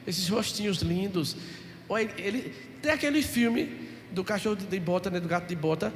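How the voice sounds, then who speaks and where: A man's voice: high-pitched, moderate pace. A man, a pastor preaching a sermon and telling stories with acted-out dialogue and jokes. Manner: storytelling, acts out dialogue, jokes. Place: church. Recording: echoey church hall, faint noise.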